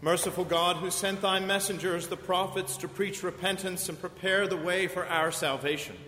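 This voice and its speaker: A man leading a church service as a priest, praying and reading in a solemn, measured, intoning way, his voice ringing with cathedral echo. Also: sits high, steady tone, sharp tone. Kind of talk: formal liturgical prayer and reading. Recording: long church reverb, faint room hiss.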